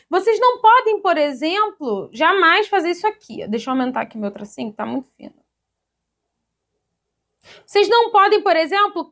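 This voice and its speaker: A Brazilian woman teaching an online grammar lesson in a lively, chatty way, often checking in with her students. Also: very high voice. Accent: Brazilian Portuguese. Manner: lively, chatty, addresses students as "gente", ends points with "tá?".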